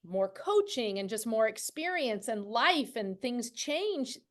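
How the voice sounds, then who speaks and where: A woman with a high voice hosts an interview in a conversational style. She is affirming and eager to agree as she leads into her questions. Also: very animated, takes it slowly. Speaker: podcast host interviewing guests.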